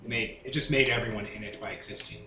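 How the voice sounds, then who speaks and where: A man's voice: mid-range voice, fairly even intonation, fast. Man game master in an echoey room. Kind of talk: casual improvised game narration and banter. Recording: roomy, faint background noise.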